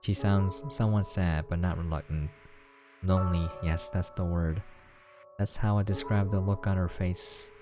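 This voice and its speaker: A man's voice: low-pitched, steady tone, normal speed, music in the background. A man reading a visual novel aloud as a gameplay host, dropping in casual, conversational asides.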